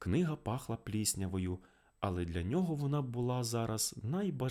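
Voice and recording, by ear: The text is read aloud in a natural voice.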